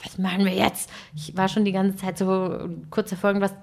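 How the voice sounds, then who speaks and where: A young woman telling a story in casual chat, animated and exasperated, acting out what people said. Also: medium pitch, fairly quick. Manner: animated, exasperated retelling with acted-out quotes.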